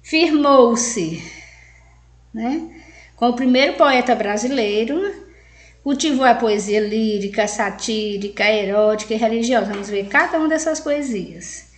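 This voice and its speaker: A woman's voice: a little high, reverberant. A Brazilian woman teacher giving a grammar lesson to adult learners, spelling out examples one by one and often adding "né?". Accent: Brazilian Portuguese. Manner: slow, spells out examples word by word, frequent "né?" tags.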